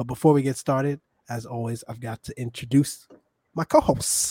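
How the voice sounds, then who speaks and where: His voice sits at a medium pitch, and the man sounds somewhat breathy as he talks. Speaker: podcast host. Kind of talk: casual chat. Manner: animated.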